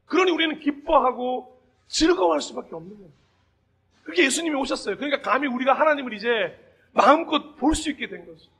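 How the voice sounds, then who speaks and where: A man pastor giving a Sunday sermon, talking to the congregation conversationally, asking them direct questions and bursting into shouted emphasis. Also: extremely high pitch.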